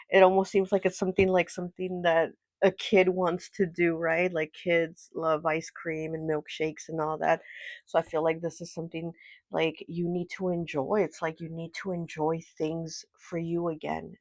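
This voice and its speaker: A tarot reader talks through a casual card reading, their voice stuffy and nasal from a lingering cold. The tone is gravelly and fairly flat, rambling along with fillers. It's recorded close and dry, with no room sound. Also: medium pitch, moderate pace, no room sound, rough recording. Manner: chatty, rambling, frequent fillers and little laughs.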